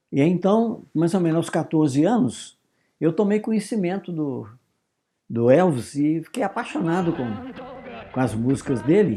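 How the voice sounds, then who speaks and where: A man speaks at a fairly slow pace with long, frequent pauses, his high voice dark and mellow in tone. His pitch swings very widely, and the recording is very clean with a silent background. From Brazil, Minas Gerais (Caratinga, Belo Horizonte). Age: 70s. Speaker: retired evangelical translator and writer. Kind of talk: personal testimony. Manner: halting, with repetitions.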